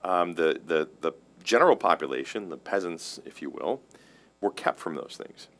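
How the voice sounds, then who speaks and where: Deep low-voiced pastor guy, earnest, keeps restarting his sentences as he explains. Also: animated, moderate pace, fairly bright tone. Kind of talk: casual theological discussion.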